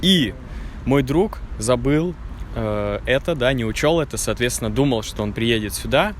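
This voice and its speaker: A man's voice: mid-range voice, animated, moderate pace, a little hiss or hum. A man hosting a casual outdoor chat, speaking fluently and explaining things to viewers. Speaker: host. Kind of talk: casual conversational video.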